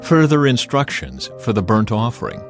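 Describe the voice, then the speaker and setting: A man narrating scripture as a dramatized audio reading, with a solemn, measured and emphatic manner. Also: mid-range voice, animated. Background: background music.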